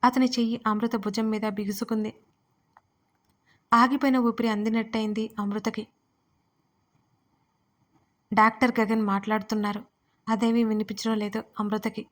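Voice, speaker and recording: A woman narrates a romance audio story with a steady, even delivery. Her voice sits somewhat high. She keeps the melody flat, with little rise and fall. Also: moderate pace, pauses often.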